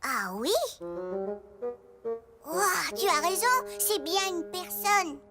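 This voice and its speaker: Cartoon dub role: imaginative young boy, extremely high voice, excitable and pleading, music underneath. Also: slow, exaggerated voice. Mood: curious.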